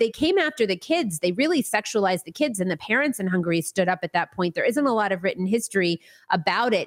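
Very fast, a woman with an American accent speaks with very wide pitch swings. Her recording is very clean, the background silent. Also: dry, close sound with no echo. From Florida. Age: 40s. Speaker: activist group cofounder. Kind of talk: interview. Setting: live stream.

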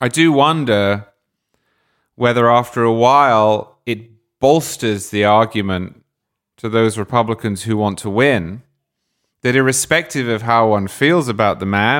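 A man with an English accent speaks at a fairly slow pace. The recording is very clean, with a silent background. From England. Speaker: political commentator. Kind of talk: casual panel discussion.

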